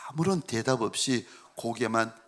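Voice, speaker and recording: A man's voice: medium pitch, normal speed, a bit bright. A male senior pastor preaching a sermon, telling a family story and shifting between narration and quoted voices. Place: church sanctuary.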